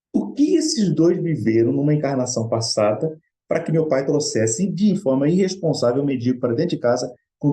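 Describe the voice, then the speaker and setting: A middle-aged man with a Brazilian Portuguese accent speaks in a relaxed, mellow tone. His pitch sits in an ordinary middle range. He tells a personal story in an earnest, conversational way as a speaker at a Spiritist study session.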